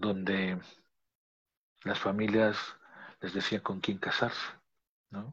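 A man's fairly low, monotone, flat voice broken by long, frequent pauses. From Galicia, Spain. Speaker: podcast host. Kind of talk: reflective monologue. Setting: late night recording. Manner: halting.

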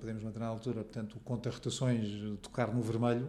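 Monotone and flat, a man's dark, mellow voice at medium pitch carries audible room echo. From Portugal, Lisbon. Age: 50s. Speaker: guest interviewee. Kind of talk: casual interview. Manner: hesitant, many fillers.

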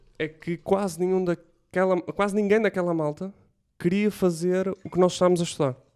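A man at a high pitch, moderate pace and monotone, flat intonation. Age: 20s. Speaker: comedian. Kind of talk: casual chat.

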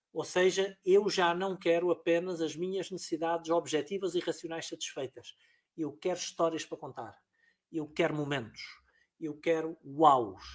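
Moderate pace and fairly even intonation, with a European Portuguese accent. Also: man, high pitch for a man. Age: 40s. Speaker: business speaker and consultant. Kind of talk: live-streamed business podcast chat. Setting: live stream.

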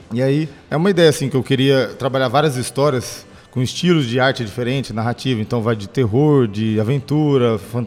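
With music in the background, a man speaks at a moderate pace and medium pitch, his pitch varying in an ordinary way. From Franca, São Paulo state, Brazil. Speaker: comic artist. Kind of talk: casual chat.

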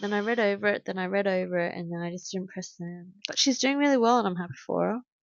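With an Australian accent, a woman talks very fast at medium pitch, with ordinary pitch variation. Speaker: podcast co-host. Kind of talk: casual chat.

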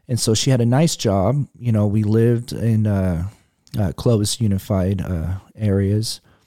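A man with an American accent speaks at a fairly slow pace in a dark, mellow tone, fairly low in pitch with ordinary pitch variation. The recording is very clean with a silent background. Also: very even loudness. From California, Fresno. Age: 30s. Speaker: addiction recovery client advocate. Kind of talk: casual interview. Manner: halting.

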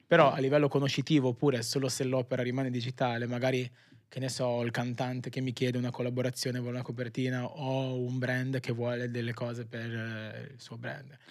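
A man speaks at a very fast pace with medium pitch. His intonation is monotone and flat, and his loudness swings widely. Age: 20s. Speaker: digital artist. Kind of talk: casual chat.

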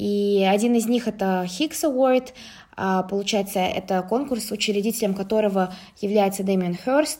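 A woman talks at a moderate speed and medium pitch, her pitch moving in an ordinary way, on a very clean recording with a silent background. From Kazakhstan, Almaty. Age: 20s. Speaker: artist and photographer. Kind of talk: interview.

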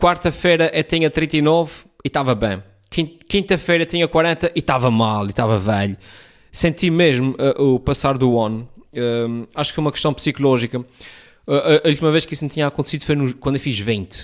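A man talks at a moderate pace, his pitch varying in an ordinary way, on a very clean recording with a silent background. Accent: European Portuguese. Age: 40s. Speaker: podcaster and video creator. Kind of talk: casual solo monologue. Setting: at home, living room. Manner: hesitant, many fillers.

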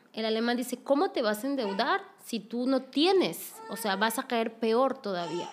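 With hardly any pauses, a woman talks at a high pitch in very wide pitch swings over noticeable background noise. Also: fairly slow pace. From Spain, Castellón de la Plana (born in Trujillo, Peru). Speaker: guest, migrant in Germany. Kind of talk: casual interview.

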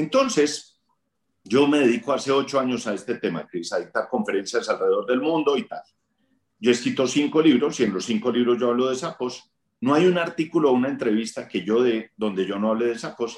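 With lively intonation and a fairly quick pace, a man talks at medium pitch in an unremarkable speaking voice. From Colombia, Manizales. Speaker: author and customer service speaker. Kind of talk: interview storytelling.

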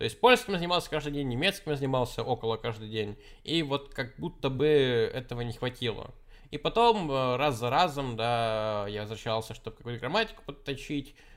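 A man speaks at a medium pitch in a normal speaking voice, with lively intonation at a fairly quick pace. The recording is very clean, with a silent background. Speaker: podcast host, language learner. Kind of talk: casual chat.

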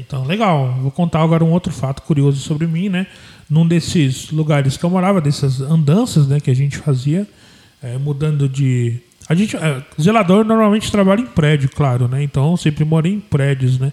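At a moderate pace, a man uses an ordinary speaking voice, fairly high in pitch with ordinary pitch variation. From Brazil, São Paulo city. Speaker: musician and podcast co-host. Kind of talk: casual chat.

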